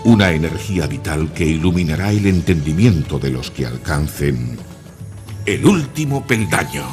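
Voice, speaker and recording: Deep, dramatic male mystery narrator. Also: lively intonation, moderate pace, over music. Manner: solemn, portentous. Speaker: intro narrator. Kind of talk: scripted mystery-show narration.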